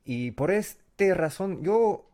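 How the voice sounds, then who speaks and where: A man's voice: high voice, lively intonation, slow, darkish tone. A man who is not a native Spanish speaker, co-hosting a casual podcast as a learner and hesitating while he searches for words.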